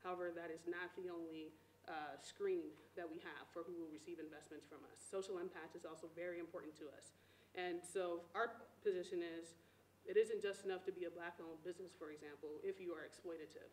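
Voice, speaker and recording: A soft-spoken woman speaking as a panelist at a university event, deliberate, with frequent ums and uhs. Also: fairly low pitch, steady tone, a little hiss or hum. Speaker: director of a community finance group, panel speaker. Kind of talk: public talk at a university event. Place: lecture hall. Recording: echoey hall, faint ambience.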